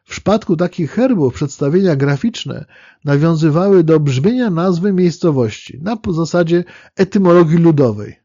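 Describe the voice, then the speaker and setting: A man giving a spoken history lecture in a measured, explanatory way, pausing on fillers and correcting himself as he goes. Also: a little high, lively intonation, warm tone, husky, no room sound, lo-fi sound.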